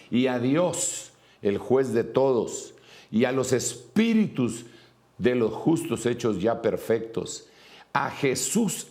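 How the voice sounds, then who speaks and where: A man's voice: lowish voice, mellow. A man preaching a sermon, reading scripture aloud and then explaining it at a whiteboard with many fillers and asides.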